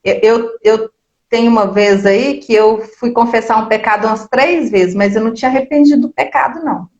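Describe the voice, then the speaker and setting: A woman's voice: a little high, a little fast, darkish tone. Lady chatting about faith, lots of fillers, kinda dull echoey stream audio. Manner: earnest, repeats words, many fillers. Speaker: book club co-host. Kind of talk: casual religious discussion.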